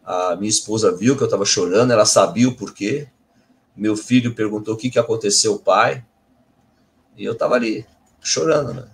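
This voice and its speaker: A man's voice: fairly low pitch, moderate pace. A middle-aged man, an Umbanda medium sharing a personal testimony with his viewers in an earnest, self-correcting way. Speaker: Umbanda medium and channel host.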